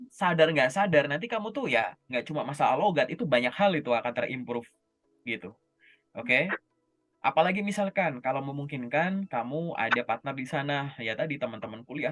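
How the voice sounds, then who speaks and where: A man coaching job interview skills in a casual, lively session over a video call, often checking in with his listener. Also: mid-range voice. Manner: lively, chatty, often checks in with "oke?" and "gitu".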